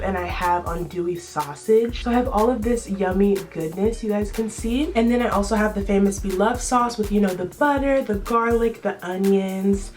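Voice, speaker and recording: A woman's voice: medium pitch, a little mellow. A young woman chatting casually on camera at home, talking loose and slangy while eating, recorded on a tripod camera. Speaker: vlogger. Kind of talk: casual mukbang chat.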